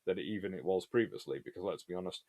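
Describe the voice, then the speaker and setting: A man's voice: low-pitched, very fast, a little mellow, dry recording. A man hosting a casual live question-and-answer session, talking in a rambling, discursive way and often correcting himself. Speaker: host answering viewer questions on naval history.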